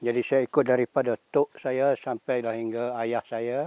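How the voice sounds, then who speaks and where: A very slow delivery with a dark, mellow tone and a dry, close sound free of echo. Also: man. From Malaysia, Orang Asli community. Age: 60s. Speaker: traditional musician. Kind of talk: interview explanation.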